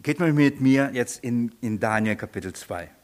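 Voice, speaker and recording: A man preaching a sermon, animated, asking the congregation questions and repeating sounds to imitate a foreign tongue. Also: mid-range voice, moderate pace. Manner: animated, repeats nonsense syllables to mimic foreign speech.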